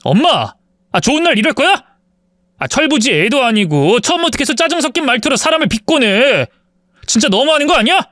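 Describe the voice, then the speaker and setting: A man's voice: sits high, animated, moderate pace, pauses often, dry recording, clean studio sound. A man voicing a frustrated young husband caught between his wife and his mother. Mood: angry. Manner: exasperated, pleading.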